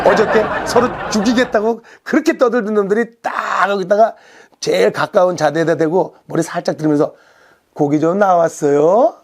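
A male comedian hosting his show, telling a funny story and acting out the people in it. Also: high voice. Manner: animated anecdote telling, acting out characters. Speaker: comedian host. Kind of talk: stand-up storytelling.

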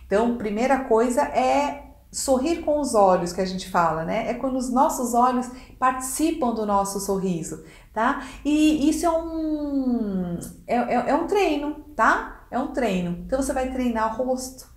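Brazilian lady coaching on camera, lively and demonstrative, roomy echo behind her voice. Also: a little high, normal speed. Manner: expressive, demonstrative, checks in with tag questions. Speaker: communication coach. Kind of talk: casual instructional video talk. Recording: echoey room.

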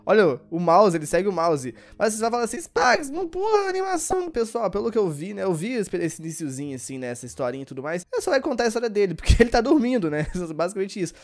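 A sleepy, worn-out man with a Brazilian Portuguese accent, giving let's-play commentary and yelping excitedly at the game. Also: sits high, very fast, few pauses. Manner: excitable, yelps and shouts at the game. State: sleepy and exhausted. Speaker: gaming YouTuber.

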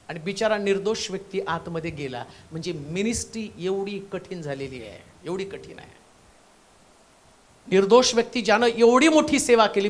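Man, pastor, Pentecostal sermon, bursts then hushes, church. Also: high-pitched. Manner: preaching in bursts, shifting from loud to hushed, repeating the reader's words.

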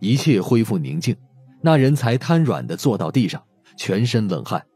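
A man's voice: mid-range voice, very animated, normal speed, mellow, breathy edge. A man narrating a dramatic audiobook story in a scripted style. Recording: faint music under the voice.

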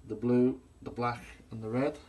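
A man's voice: medium pitch, fairly even intonation, moderate pace, dark tone. A middle-aged man, a gas engineer, plainly explaining a boiler test step by step while filming on his phone in a small workshop. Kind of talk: hands-on repair demonstration. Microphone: phone camera held in hand.

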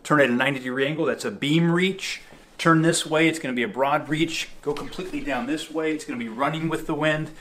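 A man's voice: on the high side, fast talker, a bit bright. A man in his forties, a sailing instructor, explaining the parts of a sailboat step by step, asking and answering his own questions. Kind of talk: hands-on instructional walkthrough. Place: outdoors on a small sailboat at a dock.

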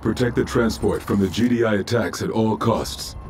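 Man voicing a low, terse military computer announcer. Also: fairly even intonation, normal speed, natural voice. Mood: clipped, official. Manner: terse, matter-of-fact, official. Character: calm male military battle computer announcer for a zealot army. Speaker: in-game announcer. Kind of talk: clipped scripted status announcements. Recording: loud game music behind.

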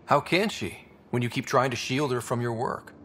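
Mid-pitched man, earnest, supportive actor as human explorer hero, video game drama. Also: normal speed, fairly bright tone, slight background noise, lightly acted.

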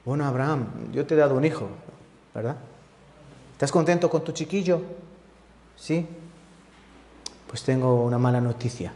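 A man's voice: medium pitch, moderate pace, pauses often, dark tone, natural voice. A man voicing God in a sermon retelling, speaking in a plain, conversational way. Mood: matter-of-fact. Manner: conversational, matter-of-fact retelling. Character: God as a stern elderly male voice, speaking plainly. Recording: echoey reverberant church hall.

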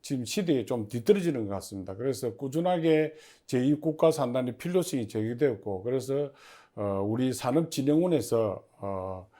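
A man giving formal, prepared interview answers as an agency official, in measured and stiffly official phrasing. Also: mid-range voice, lively intonation, dark tone. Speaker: head of a public industry agency, interview guest.

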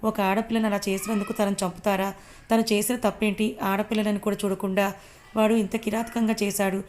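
Woman voicing a fierce middle-aged mother, defiant, scolding, flat even delivery. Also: medium pitch, brisk, a little hiss or hum, close to an everyday voice.

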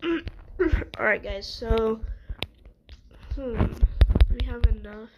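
Extremely slow and a little high, a stuffy-nosed woman rambles through casual gameplay commentary for her gaming channel, hesitating often with ums and restarts. The highs are cut off and there's heavy background noise.

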